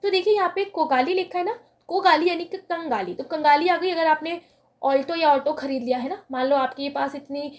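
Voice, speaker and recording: High-voiced woman teaching memory tricks. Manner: explains slowly, asks and answers her own questions. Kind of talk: exam-prep lesson with memory tricks.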